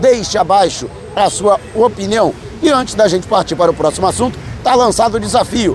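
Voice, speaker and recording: A man's high-pitched, animated voice at a fairly quick clip, with ordinary pitch variation and noticeable background noise. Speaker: football news YouTuber. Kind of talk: sports news vlog.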